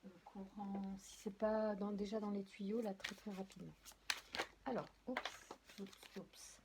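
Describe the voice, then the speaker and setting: A woman's voice: mid-range voice, level tone, measured pace, background noise. A woman doing a casual spoken tarot card reading, talking straight to her viewers, hesitant, with many fillers, restarts and apologies. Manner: addresses viewers directly. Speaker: tarot and oracle card reader.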